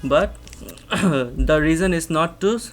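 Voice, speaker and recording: A man's voice: fairly high pitch, slow. A young Bangladeshi man with a Bangladeshi accent, a native Bangla speaker, reading a research paper aloud and explaining it line by line, thinking aloud with frequent restarts and rhetorical "right?"s. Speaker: English teacher and channel host.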